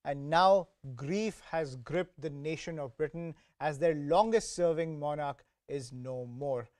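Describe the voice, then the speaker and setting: A man's voice: fairly high pitch, measured pace, a little mellow, dry recording. A man anchoring live TV news, formal, with hesitant fillers when he turns to questions. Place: TV studio.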